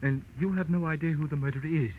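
A man's voice: fairly high pitch, fairly even intonation, fast talker, close to an everyday voice. An actor playing a nervous, stammering, easily shocked man in a 1940s radio drama. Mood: flustered, agitated. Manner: stammering, fussy, agitated. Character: flustered, nervous, timid male helper, easily shocked. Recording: muffled, noisy old radio recording.

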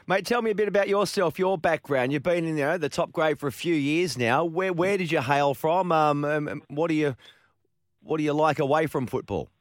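A man's voice: on the high side, fairly quick, no room sound, clean studio sound. A middle-aged man hosting a sports radio interview, chatty and friendly, full of fillers.

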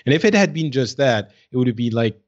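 A man chatting casually as co-host of a gaming podcast, thinking aloud in a hesitant, measured way and repeating words mid-thought. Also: medium pitch, lively intonation. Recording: slightly dull, lo-fi voice feed.

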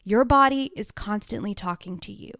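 A woman's voice: normal speed, gravelly, fairly bright tone, no room sound, studio quality. Blunt, swearing woman podcast host. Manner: blunt, oversharing, swears freely, mimics herself in high silly voices. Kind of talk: candid solo podcast monologue.

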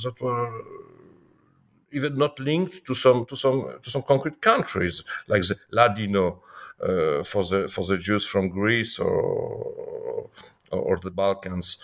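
Male historian interviewee, Polish-accented English, deep-set creaky voice, halting academic delivery. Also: animated. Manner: halting, searching for words, non-native English. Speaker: historian and author being interviewed. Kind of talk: scholarly interview answers.

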